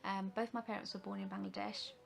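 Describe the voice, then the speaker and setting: A woman's voice: medium pitch, level tone, quick pace, creaky. A woman in her thirties from the UK, a makeup vlogger chatting to camera in a rambling way with many fillers and restarts. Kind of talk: casual rambling talk to camera.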